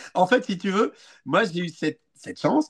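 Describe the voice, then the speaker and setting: In an animated tone, a man with a high pitch speaks using lively intonation. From southern France, Marseille. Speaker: actor and voice actor. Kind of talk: interview.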